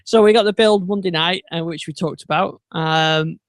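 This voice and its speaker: A man with a notably high voice, hosting a relaxed tech podcast. He meanders through his points with plenty of ums and false starts. The sound is dry and close-miked. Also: moderate pace, smooth, no echo. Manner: meandering, many ums and restarts. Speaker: podcast host. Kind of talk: casual tech chat.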